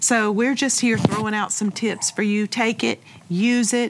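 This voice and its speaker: With light background noise, a woman talks slowly in a fairly high pitch and monotone, flat intonation at a fairly slow pace. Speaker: pastor; pastor, podcast co-host. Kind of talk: casual chat. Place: studio.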